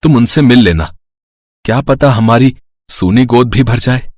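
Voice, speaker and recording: A man's voice: medium pitch, unhurried, darkish tone, dry recording, clean studio sound, close to an everyday voice. A man playing a simple, caring farmer husband in a moral story cartoon, earnest and plain-spoken. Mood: reassuring.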